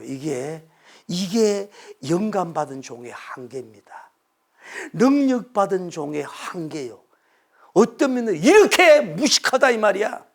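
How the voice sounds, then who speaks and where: A middle-aged man from South Korea preaching a sermon, dropping to hushed whispers and rising to shouts. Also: fairly high pitch, gravelly. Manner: acts out God and Elijah in soft voices. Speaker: pastor.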